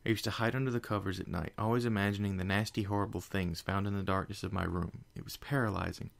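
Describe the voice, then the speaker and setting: A man voicing a panicky young female unicorn scholar in a fan story reading, raising his voice high. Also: fairly even intonation, fast talker, vocal fry. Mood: confessional. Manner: frantic, high-pitched and breathless.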